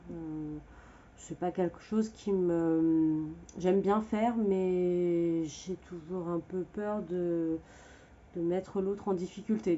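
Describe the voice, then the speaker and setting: Very slow speech with big swings in loudness. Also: woman. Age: 40s. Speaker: Reiki teacher and card reader. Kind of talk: casual self-introduction vlog. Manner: halting, many filler hesitations.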